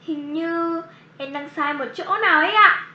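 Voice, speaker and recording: A woman voicing a curious, excitable small pupil in a children's educational cartoon, polite and chirpy. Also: extremely high pitch, moderate pace, reverberant, highs cut off, exaggerated voice. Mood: thoughtful, eager.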